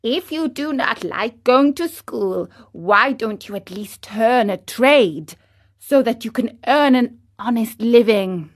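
A woman reading a storybook aloud, voicing a wise old male cricket who speaks in a calm, measured, moralizing way. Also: on the high side. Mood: solemn.

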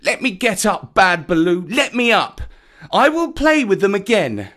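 A man voicing a small, defiant, boastful jungle boy in a storybook, with an excitable childlike delivery. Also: unhurried, exaggerated voice. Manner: high, exclamatory, childlike delivery.

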